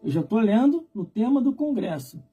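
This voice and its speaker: Brief: a fervent Brazilian preacher with a high voice, telling a story to the congregation over faint music. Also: male voice, big pitch swings, moderate pace, slightly rough, narrow, tinny audio. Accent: Brazilian Portuguese. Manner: fervent, theatrical, addresses listeners as brother. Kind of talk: storytelling sermon.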